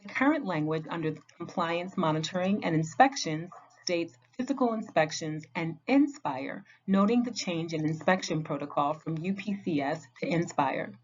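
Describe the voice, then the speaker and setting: A woman giving a scripted training narration as a compliance trainer, speaking in a clear, measured, instructional way. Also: on the low side, expressive. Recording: dull lo-fi audio.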